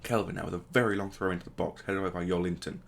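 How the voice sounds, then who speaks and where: A man's voice: low voice, steady tone, rapid-fire, gravelly. A man hosting a gaming video, casually commentating the play as it happens and adding joking asides. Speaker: gaming channel host.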